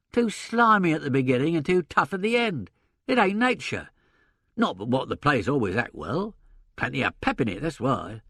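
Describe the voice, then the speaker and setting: Blunt, gabby older theatre agent, lively up-and-down delivery, pitched above the reader's own voice, colloquial and opinionated, as a man puts him on in an audiobook. Dry, close recording with no room sound. A male narrator voices him. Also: dry recording, full character voice. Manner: colloquial, drops grammar, chuckles, opinionated. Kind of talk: audiobook character reading.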